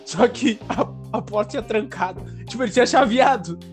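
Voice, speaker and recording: A man, a podcast co-host telling a school story in an animated, slangy way full of fillers. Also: high voice, normal speed, soft background music. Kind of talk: casual storytelling chat.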